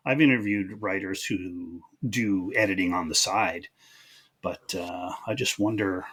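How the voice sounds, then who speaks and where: A man's voice: deep voice, unhurried, fairly bright tone, husky. A man hosting a podcast, chatting casually and agreeably as he interviews a guest.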